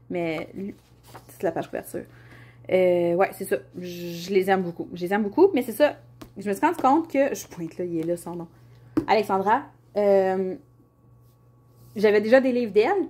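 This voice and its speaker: A woman's voice: mid-range voice, a little mellow. Chatty Québécois woman rambling casually. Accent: Québécois French. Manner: chatty and rambling, with many fillers and restarts. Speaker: colouring vlogger. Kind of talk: casual chat showing colouring books.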